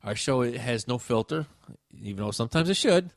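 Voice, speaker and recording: A man's voice: mid-range voice, animated, fairly quick, dry recording, clean studio sound. A man hosting a talk radio show, wry and rambling with frequent filler sounds.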